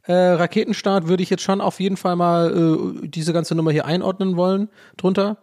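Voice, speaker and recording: A man's voice: sits high, level tone, moderate pace, a little mellow. Male solo podcaster, chatty and self-mocking, wandering off-topic, home mic. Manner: rambling, joking, self-mocking, loses his thread. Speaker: podcast host. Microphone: home podcast mic recorded in Audacity.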